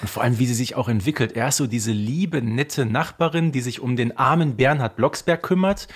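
Male podcast co-host, medium pitch, slightly rough husky tone, relaxed conversational delivery. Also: normal speed. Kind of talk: casual fan podcast chat.

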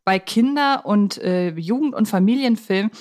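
A woman's voice: medium pitch, normal speed, a little mellow. An adult woman co-hosting a podcast, talking casually about films in a colloquial, playfully chatty way. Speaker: podcast co-host. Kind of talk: casual film discussion.

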